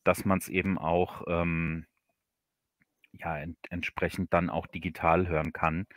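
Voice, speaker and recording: A man speaking casually as a guest in a livestream interview, halting and repeating words as he searches for phrasing. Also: sits low, little pitch movement, fairly bright tone, no echo, clean studio sound. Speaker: guest, audio drama author.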